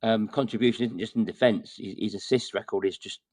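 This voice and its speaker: A man giving measured, conversational football analysis as a podcast guest. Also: fairly low pitch, darkish tone, no echo. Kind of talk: casual football chat.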